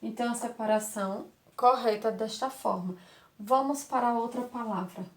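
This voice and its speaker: A woman's voice: fairly high pitch, normal speed. A Brazilian woman teaching a lesson to young children, affectionate and patient, repeating words and asking rhetorical questions. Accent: Brazilian Portuguese.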